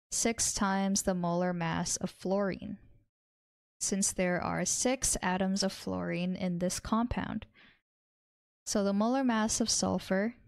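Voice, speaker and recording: Female tutor, twenties, mid-range and crisp, measured step-by-step teaching delivery, very dry close-miked sound. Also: mid-range voice, darkish tone, no echo. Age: 20s. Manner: measured, explains step by step while writing. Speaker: chemistry tutor. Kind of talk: instructional tutorial, working through a problem. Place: small indoor room at a desk.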